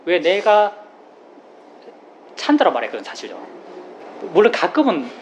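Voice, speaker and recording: A Buddhist monk giving a plain-spoken dharma talk, who repeats key phrases and explains with everyday examples. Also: male voice, sits high, huge pitch swings, unhurried. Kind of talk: dharma talk to a meditation group. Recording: slightly dull recording with faint room noise.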